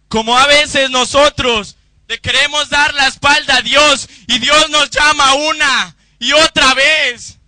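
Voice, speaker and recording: High, bright-voiced fervent preacher man. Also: dry recording. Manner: fervent, swells to shouting in prayer. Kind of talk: Pentecostal sermon and prayer. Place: church service.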